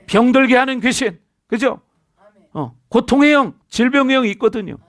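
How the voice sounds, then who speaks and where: A man's voice: extremely high pitch, normal speed, a bit bright, no echo. A middle-aged male pastor preaching a sermon in a church, calling out to the congregation and drawing responses from them. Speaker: senior pastor. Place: church sanctuary.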